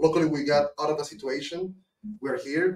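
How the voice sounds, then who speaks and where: A man speaks with a Venezuelan accent. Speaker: junk removal business owner. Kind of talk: podcast interview. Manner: halting.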